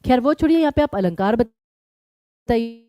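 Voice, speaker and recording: Lively, animated woman teacher quizzing students. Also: a little high, lo-fi sound. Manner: quizzes students and explains briskly. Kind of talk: online exam-prep lesson.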